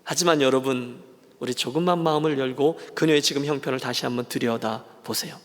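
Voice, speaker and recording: A male senior pastor giving a lively sermon in a church, acting out voices of the characters and the townspeople as he goes. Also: mid-range voice, a little fast. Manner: animated, acts out voices of townspeople and Naomi. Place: church sanctuary. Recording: long hall reverb in a church.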